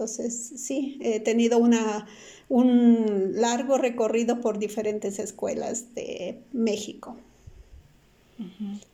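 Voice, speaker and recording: Dark and mellow in tone, a woman's voice sits at a fairly high pitch. She speaks at a very slow pace with fairly even intonation. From Peru. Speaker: Spanish teacher and photographer. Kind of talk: casual interview.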